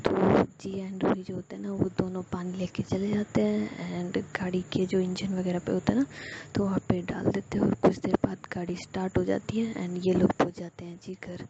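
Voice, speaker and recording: A woman casually telling a serialized story, acting out each character's lines in a chatty way. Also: mid-range voice. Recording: dull lo-fi with loud noise.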